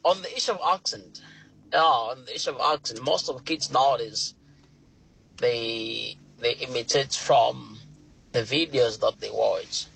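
A man's voice: medium pitch, a little slow, gravelly, fairly bright tone, poor audio. A man from Malawi, an Uber driver, calling a radio show in earnest. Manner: earnest, repeats himself. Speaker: caller. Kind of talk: phone-in comment.

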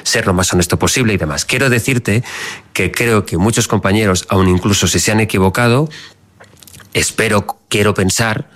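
Brief: deep-voiced male radio host, native Catalan speaker, earnest and reflective. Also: normal speed, fairly bright tone. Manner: earnest, reflective, many fillers. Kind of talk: radio talk.

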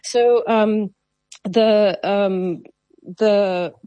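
A woman's voice: mid-range voice, fairly even intonation, very slow, warm tone, no room sound, dull audio. A woman guest commentator arguing her case in a news debate, fluent but with many ums and restarts. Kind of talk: animated debate argument.

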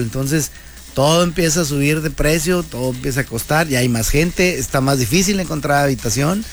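A man, hosting a radio show in a joking, slangy monologue. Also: a little high. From Mexico. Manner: joking, slangy, playful banter. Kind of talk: casual comedic radio monologue.

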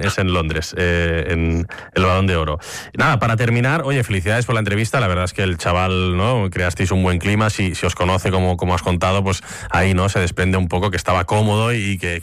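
Man, sports host, quick talker, low voice, tag questions. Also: a bit bright, dry recording, clean studio sound. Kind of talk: interviewer questions.

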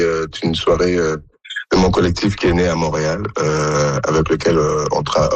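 Deep husky man from the Congo. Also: no echo. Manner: halting, many fillers and restarts. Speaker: musician guest. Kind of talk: phone interview.

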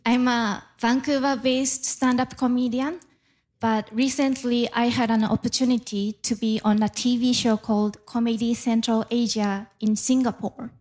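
A woman's voice: a little high, little pitch movement, normal speed, darkish tone. A middle-aged woman from Japan with a Japanese accent, doing playful stand-up comedy and crowd work before a live audience. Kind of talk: stand-up set.

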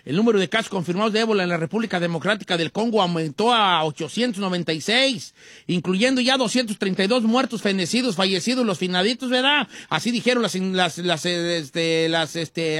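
High-voiced slangy Mexican radio host. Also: male voice, fairly bright tone, dry recording, studio quality. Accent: Mexican Spanish. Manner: folksy, slangy, rambling with repeated words. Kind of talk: joking news chat.

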